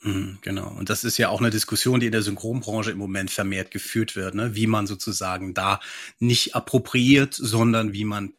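A man's voice: lowish voice, fairly even intonation, normal speed, a bit bright, no room sound, studio quality. A man co-hosting a podcast, chatting casually in an articulate, discursive way. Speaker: podcast co-host. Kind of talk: casual conversational audio drama discussion.

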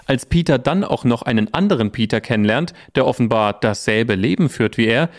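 A man's voice: medium pitch, expressive, brisk. A man reading a scripted summary as a podcast narrator. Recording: voice-over with faint music bed.

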